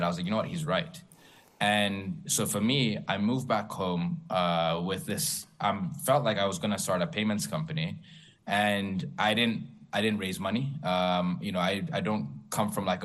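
Deep-voiced tech founder. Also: male voice, a bit bright. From Tanzania. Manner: candid, storytelling, self-deprecating humor. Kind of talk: panel talk.

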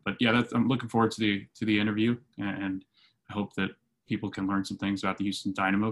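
A man with a fairly low voice co-hosting a soccer podcast. He talks loosely and casually, pausing on fillers as he works through his thoughts. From Florida. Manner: relaxed, hesitant with many fillers. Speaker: podcast co-host. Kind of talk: casual sports podcast chat.

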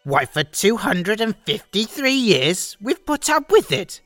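A woman's voice: medium pitch, big pitch swings, a little slow, a bit bright, no room sound, soft background music. A woman voicing a scheming, gloating male villain in a Grinch-like fan story, with a gleeful, sly delivery.

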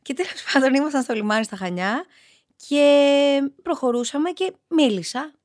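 Animated Greek woman telling stories. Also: sits high. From Greece. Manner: lively storyteller, acts out quotes. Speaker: guest actress. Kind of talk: casual podcast chat.

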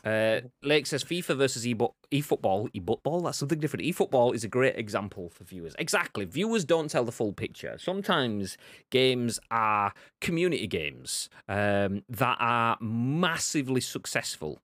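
A man's voice: medium pitch, normal speed, no echo. A man hosting a video game podcast in casual chat, reading viewer comments and mocking with swearing. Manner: animated, mocking, swears, acts out both sides.

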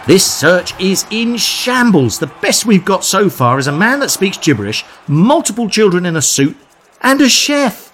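A man's voice: high voice, big pitch swings, normal speed, fairly bright tone, a little hiss or hum. An actor playing an exasperated, bickering king with an incredulous, sarcastic delivery in a comic pantomime. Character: exasperated, bickering King Arthur judging knights. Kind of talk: pantomime audio comedy.

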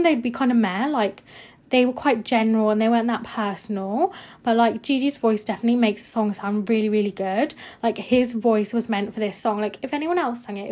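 Young woman, slightly high voice, casual filler-heavy podcast reviewer. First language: Punjabi not first language. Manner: chatty, many fillers like "um" and "like". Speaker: music reviewer.

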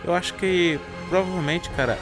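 A Brazilian man in a casual podcast chat, relaxed and slangy, giving his opinions. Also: high voice, moderate pace, over music. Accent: Brazilian Portuguese.

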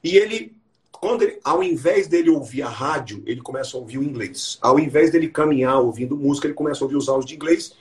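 A man who teaches English, hosting a live podcast chat and explaining his method with lively stories. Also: mid-range voice, fast. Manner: explanatory, enthusiastic storytelling.

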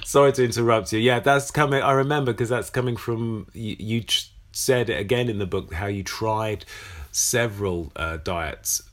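A man with a fairly low voice hosts a podcast conversation. He is supportive of his guest and hesitates now and then with fillers and restarts. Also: normal speed, fairly bright tone. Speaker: podcast host. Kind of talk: casual conversational interview.

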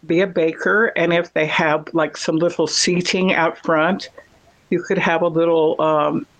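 Chatty guy, bit high-pitched, rambling casual storyteller. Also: flat delivery, unhurried, fairly bright tone, low-quality recording. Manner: rambling, chatty, many fillers. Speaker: conversation partner. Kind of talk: casual chat.

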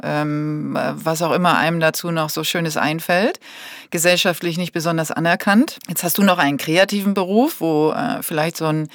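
Female podcast host, slightly low voice, dry close recording, conversational interviewing. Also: no echo. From Hamburg, Germany. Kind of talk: casual interview chat.

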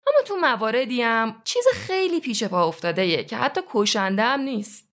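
A woman voicing a cold, methodical male interrogator who lectures in a measured way. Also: on the high side, very animated, fairly bright tone. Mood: cold, menacing.

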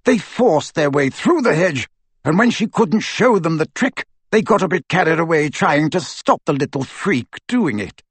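Storybook old wizard as a man acts him out: cynical, gruff, husky, pitched up and scornful. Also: lively intonation, normal speed, dry recording. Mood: bitter, heated. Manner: rough, terse, scornful.

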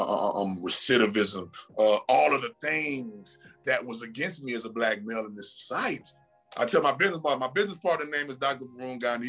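Male podcast guest, husky tone, sermon-like motivational delivery, faint music under. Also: medium pitch, fairly bright tone. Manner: preachy, emphatic, repeats phrases and asks "right?". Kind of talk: casual motivational talk.

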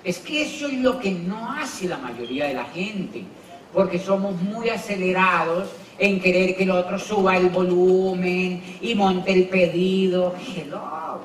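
High-voiced Colombian man in a roomy hall. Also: unhurried, a little hiss or hum. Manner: lively, chatty, acts out dialogue. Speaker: network marketing speaker. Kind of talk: animated seminar storytelling. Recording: roomy, distant mic, faint ambience.

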